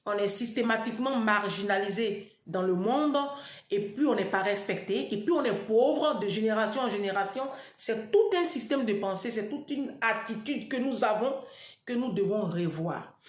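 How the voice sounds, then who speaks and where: A woman in her forties from Africa, talking emphatically to her followers and repeating herself to make her points. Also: medium pitch. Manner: emphatic, repetitive, rhetorical asides. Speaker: social media commentator. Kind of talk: casual monologue to followers. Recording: roomy echo.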